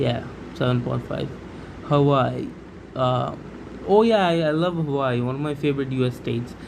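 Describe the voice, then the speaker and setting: The speaker talks at a moderate pace with ordinary pitch variation, with audible room echo and noticeable background noise. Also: man. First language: not English. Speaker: YouTuber. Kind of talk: casual ranking commentary. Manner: hesitant, many fillers.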